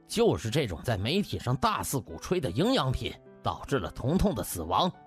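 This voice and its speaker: A man voicing an indignant young doctor who argues forcefully in a dramatised audiobook. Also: medium pitch, wildly swooping pitch, normal speed, soft background music. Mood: bitter, indignant. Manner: forceful, emphatic, aggrieved. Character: indignant young male doctor pressing his case.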